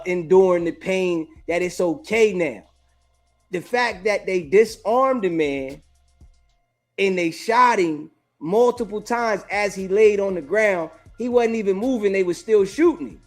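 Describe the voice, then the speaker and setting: A man hosting a casual call-in discussion, reasoning earnestly in halting, repeated phrases. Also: high-pitched. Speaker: talk show host.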